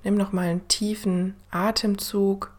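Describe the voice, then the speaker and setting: Slow, breathy woman guiding a meditation like sleep-story narration. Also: medium pitch, little pitch movement. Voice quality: soft, breathy, often dropping into near-whisper. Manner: gentle, unhurried, with long pauses. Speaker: podcast host and meditation guide.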